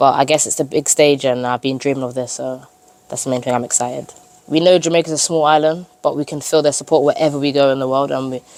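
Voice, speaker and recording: Over noticeable background noise, a woman with an English accent talks at a very fast pace, her very deep, low pitch following fairly even intonation. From England. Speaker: footballer. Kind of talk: press interview.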